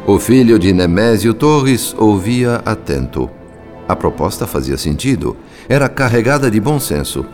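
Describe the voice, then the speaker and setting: Um ator brasileiro interpretando um espírito narrador de radionovela, observador, solene e literário. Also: male voice, lowish voice, expressive, music in the background. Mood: grave, observant. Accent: Brazilian. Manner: measured, literary, solemn. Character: grave, thoughtful male spirit narrator observing human families. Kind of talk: scripted radio drama narration.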